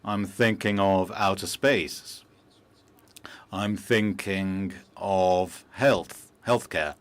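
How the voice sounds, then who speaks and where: Frequent pauses and fillers mark this man's measured, halting simultaneous interpretation of a formal speech. He speaks into a booth microphone as a conference interpreter, with a low voice and steady tone.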